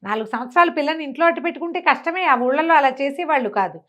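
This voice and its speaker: Woman, high voice, conversational storyteller, animated, folksy asides. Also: very fast. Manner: animated retelling, acting out characters' remarks, explaining asides to a co-host. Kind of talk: conversational oral storytelling of a village folk tale.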